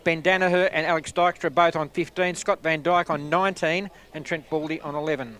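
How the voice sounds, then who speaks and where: A man reads out the halftime statistics of a football match. His voice sits slightly high, and he moves through the numbers in a steady, list-like way, with the odd "uh". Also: brisk, clear, resonant tone. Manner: steady, list-like, some fillers. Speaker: stats man.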